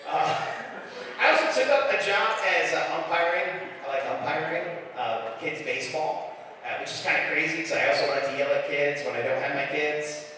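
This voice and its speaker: A middle-aged man performing an animated stand-up routine, telling stories about his family. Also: on the high side, normal speed. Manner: animated storyteller, bursts into shouting impressions. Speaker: stand-up comedian. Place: comedy club stage. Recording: echoey club heard from far off.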